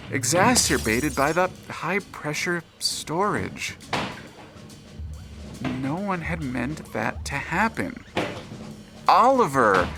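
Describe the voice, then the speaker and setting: A man's voice: on the high side, heavily acted. Audio drama narrator: grave and dramatic, takes his time, widely varied intonation. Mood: uneasy, insistent. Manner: measured, dramatic. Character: grave male narrator of a troubled tale.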